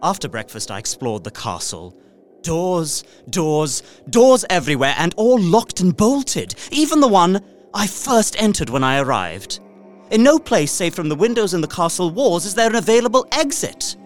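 A man's voice: sits high, big pitch swings, moderate pace, soft background music. An actor playing an uneasy young solicitor, narrating his journal formally and dramatically in an audio drama. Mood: panicked.

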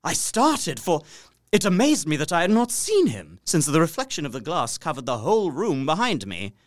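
In a gothic audio drama, an actor plays a polite, observant, uneasy young solicitor narrating his journal earnestly and precisely, in an alarmed mood with theatrical storytelling. His voice is on the high side with big pitch swings, at a moderate pace and without echo.

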